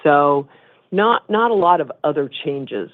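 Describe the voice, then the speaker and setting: A woman chief executive answering questions on an earnings call in a measured, explanatory way. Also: low voice, animated, dry recording. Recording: muffled narrowband conference phone line.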